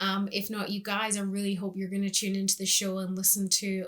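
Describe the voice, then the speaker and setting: The speaker is a woman with a medium pitch. Her tone comes across bright and sharp. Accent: Scottish. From Scotland, Highlands. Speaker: breathwork meditation facilitator. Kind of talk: solo podcast monologue.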